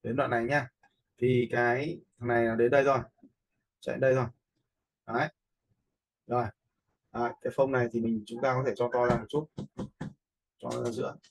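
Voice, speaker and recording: A man giving a casual, step-by-step software tutorial, informally checking in with listeners as he goes. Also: mid-range voice, level tone, a little fast, gravelly, pauses often. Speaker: video editing instructor. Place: indoors, voice-over for a screen recording.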